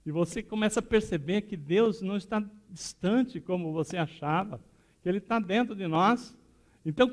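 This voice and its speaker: A pastor preaching a sermon in a conversational storytelling way, often tagging his phrases with questions. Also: high-pitched.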